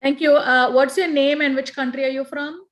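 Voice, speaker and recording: A woman hosting a feedback session over a video call, briskly prompting each speaker to give their name and country. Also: high-pitched, steady tone. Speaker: event host.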